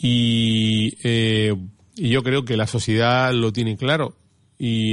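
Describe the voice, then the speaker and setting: Against a quiet background, a man talks in a flat monotone at a medium pitch. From Canary Islands, Gran Canaria (Arucas). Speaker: ophthalmologist. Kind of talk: radio interview. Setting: radio studio.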